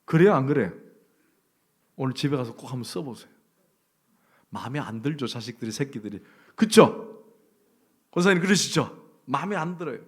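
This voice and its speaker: A male pastor delivers a lively sermon to his congregation, his voice falling to breathy whispers and then climbing to loud, forceful peaks. He asks them questions and mimics the complaints of grumbling believers. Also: medium pitch, normal speed, long pauses. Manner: swings from hushed whispers to loud shouted emphasis; acts out grumbling voices of churchgoers.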